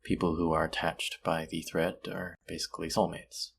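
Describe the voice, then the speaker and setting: A man playing a sweet, smitten stranger in an intimate romantic audio roleplay, speaking softly and hesitantly in a husky, gravelly voice. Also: sits low, little pitch movement, a little hiss or hum. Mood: gentle storytelling. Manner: soft, hesitant, tender, with pauses.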